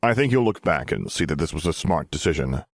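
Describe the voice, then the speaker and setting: A man playing a calm, authoritative armored superhero in an audiobook, speaking in a measured, deliberate and persuasive way. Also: extremely low pitch, no echo, studio quality, heavily acted. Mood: assured. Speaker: voice actor. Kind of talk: audiobook character dialogue.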